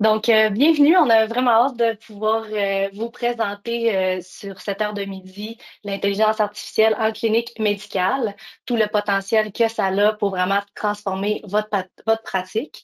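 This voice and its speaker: The pace is fairly slow. A woman speaks in a fairly high voice. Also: fairly even intonation. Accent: Saguenay. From Quebec, Saguenay. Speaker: company co-founder, former kinesiologist. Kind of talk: webinar presentation. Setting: live webinar. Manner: hesitant, many fillers.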